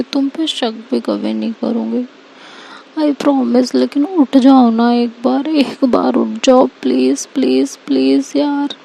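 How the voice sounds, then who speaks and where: A woman voicing Anika, an anxious young woman who pleads with and scolds her girlfriend, in a higher, emotional voice. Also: vocal fry, mellow, slight background noise, exaggerated voice. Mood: pleading.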